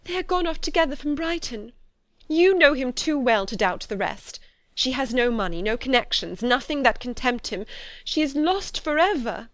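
A woman voicing an agitated, distraught young gentlewoman from a period novel, speaking in impassioned, anguished exclamations. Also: high voice, expressive, normal speed, no room sound, voice pushed up. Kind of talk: dramatic audiobook character acting.

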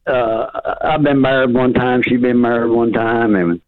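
Halting man on a tinny flip phone. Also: mid-range voice, steady tone. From Bowling Green, Kentucky. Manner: halting and hesitant, folksy. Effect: old flip phone call line. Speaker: caller. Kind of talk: casual call-in chat.

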